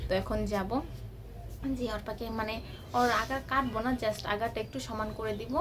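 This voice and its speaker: A young woman narrates a casual home vlog in a fairly high voice. She talks in a chatty way and at times drops to a hushed near-whisper. The home-video recording has clear noise behind her. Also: fairly even intonation, normal speed. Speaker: vlogger. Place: family home.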